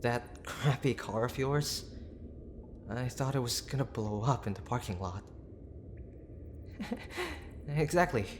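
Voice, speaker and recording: Man acting a worried young boyfriend, slow and halting. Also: medium pitch, background noise, natural voice. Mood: fond, wistful. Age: young adult. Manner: halting, pleading, with sighs and breathy asides. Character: gruff, tender young boyfriend, a medical student, desperately worried. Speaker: voice actor in audio roleplay. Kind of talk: intimate dramatic boyfriend roleplay.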